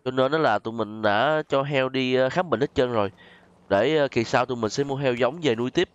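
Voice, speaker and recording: A gaming channel host with a Southern Vietnamese accent gives casual role-play commentary on a game, speaking straight to viewers and using frequent tag particles. His medium-pitched voice is fairly quick, and the dry, slightly dull recording sounds like a lo-fi voice-over with no room sound.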